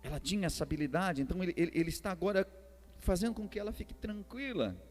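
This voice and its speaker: Male preacher, Brazilian accent, slightly high voice, conversational sermon, emphatic repetition, long hall reverb. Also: fast talker. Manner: conversational, repeats phrases for emphasis. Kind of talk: sermon retelling a Bible story, acting out dialogue. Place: church hall during a service. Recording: echoey hall reverb with music behind.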